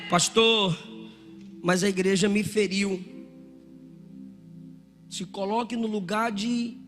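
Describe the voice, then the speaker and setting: A man preaching a Pentecostal sermon in a church, animated, often shouting and acting out voices from the crowd. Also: high voice. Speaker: pastor. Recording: church hall reverb with music.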